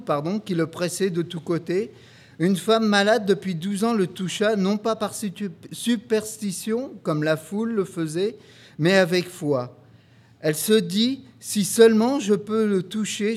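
Male preacher, high voice, earnest sermon delivery with scripture reading. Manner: earnest, reads scripture aloud steadily.

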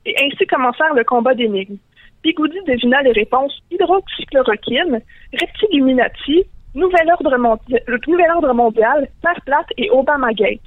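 A woman's voice: sits high, moderate pace, dry recording. A woman with a Quebec French accent reads her parody story aloud in a playful way, heard over a tinny phone line. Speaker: caller reading her story.

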